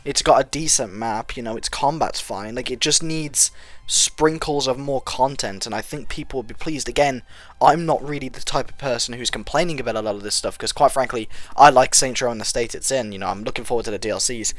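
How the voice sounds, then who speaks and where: Young male gaming vlogger, congested from a cold, earnest and rambling, mid-pitched, dry close sound. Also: brisk, fairly bright tone, no echo. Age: young adult. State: stuffy from a cold. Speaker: gaming channel host. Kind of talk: casual opinion vlog.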